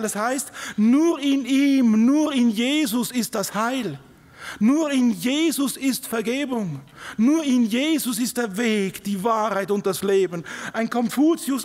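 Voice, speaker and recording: A middle-aged man with a Swiss German accent, preaching a sermon with emphatic questions to the congregation. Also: high voice. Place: large church hall. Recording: live recording in a reverberant hall.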